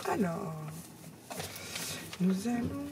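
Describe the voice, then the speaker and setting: A middle-aged woman chatting casually to her viewers as she opens fan mail, talkative and quick to laugh. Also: on the high side, expressive, heavy background noise. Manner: chatty, laughs often, exclaims. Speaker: craft YouTuber opening fan mail. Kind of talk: casual chat to camera.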